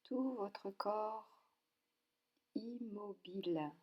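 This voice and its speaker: A woman with a mid-range voice guides a yoga nidra relaxation session. She speaks calmly, softly, and soothingly, giving short instructions separated by long pauses.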